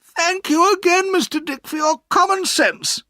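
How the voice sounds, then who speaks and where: Narrator doing a stern old aunt, high and piercing, bossy, dry close sound. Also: a little slow, no echo, heavily acted. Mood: firm, sharp. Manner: sharp and bossy, shouting when angry. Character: stern, cross elderly aunt, kind underneath. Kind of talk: storybook reading.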